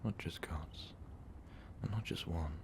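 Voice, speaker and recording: An ancient male vampire overlord, acted by a man, brooding and tormented in an intimate ASMR roleplay. His voice is very low and creaky, mostly sunk into a breathy whisper. He speaks slowly and wearily, with halting pauses. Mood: somber, reminiscing.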